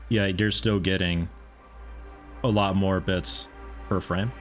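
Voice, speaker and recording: Low-voiced man chatting through a stream. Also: steady tone, slow, soft background music. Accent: mixed American with picked-up European mannerisms. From United States. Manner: rambling, chatty, self-interrupting, amused. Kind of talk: casual live-stream chat while playing.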